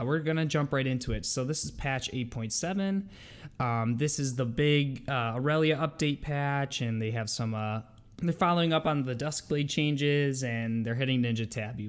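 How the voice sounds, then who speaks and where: Male gaming channel host, stuffed up with a cold, medium-pitched, informal delivery that thinks aloud through casual update commentary. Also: smooth. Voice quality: congested, stuffy. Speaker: video game channel host. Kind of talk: casual patch notes commentary.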